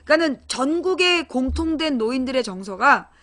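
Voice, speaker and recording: Brisk and animated, this high-voiced streamer hosts a political talk show in a somewhat bright tone. Informal and emphatic, she pushes her views and directly questions the people in her chat.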